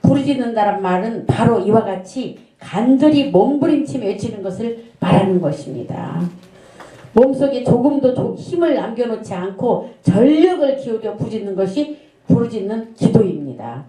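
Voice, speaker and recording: In a reverberant church sanctuary, a middle-aged woman pastor tells a story and asks rhetorical questions as part of an earnest sermon. Her mellow voice is on the high side and animated, with a moderate pace.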